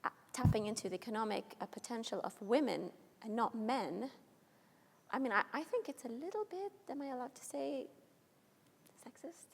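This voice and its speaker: A woman's voice: on the high side, lively intonation, moderate pace, gravelly. A woman from Oman, an entrepreneur, speaking frankly and a bit contrarian on a panel into a handheld mic in a conference hall. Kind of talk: panel discussion.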